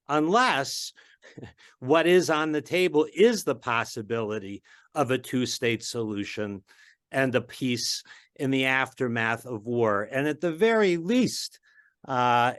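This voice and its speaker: A man's voice: medium pitch, fairly bright tone, clean tone. A man hosting a Q&A, asking questions in an earnest, searching way with frequent hesitations and restarts. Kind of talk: Q&A moderation.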